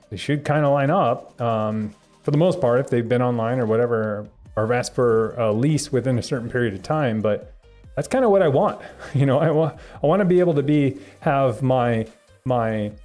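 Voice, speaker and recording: A young man hosting a live tech stream, answering viewer chat in a rambling, halting way with lots of fillers and restarts. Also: medium pitch, a little mellow, faint music behind. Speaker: tech livestream host.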